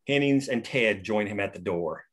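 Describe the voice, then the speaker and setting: A man reads a screenplay's action lines aloud at a table read, steady and matter-of-fact. His voice sits somewhat low. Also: moderate pace. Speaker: stage direction reader.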